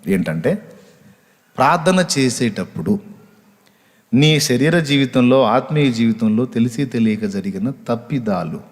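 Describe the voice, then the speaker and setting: Male pastor, emphatic repetitive sermon delivery, mid-pitched, reverberant church hall. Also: expressive, a little slow, pauses often. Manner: emphatic, repeats phrases for stress.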